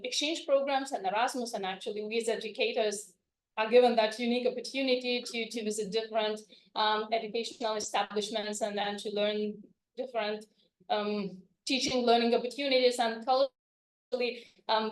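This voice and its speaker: A woman from Lithuania, a native Lithuanian speaker and language educator, giving a chatty, informal conference talk full of "you know" fillers. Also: a little high. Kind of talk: conference presentation. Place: conference room. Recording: echoey conference room.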